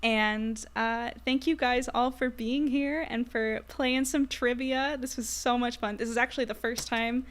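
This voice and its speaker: Woman hosting a casual trivia hangout, chatty, voice a bit on the high side. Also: steady tone, a little slow, hardly any pauses. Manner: informal and chatty. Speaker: podcast host. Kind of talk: casual group chat, hosting a trivia night.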